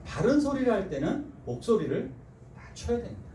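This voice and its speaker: Animated pastor, echoey church hall. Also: male voice, sits high, a little fast. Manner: animated, acts out quoted speech, laughs often. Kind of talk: sermon. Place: church sanctuary. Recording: echoey church hall from far off, faint noise.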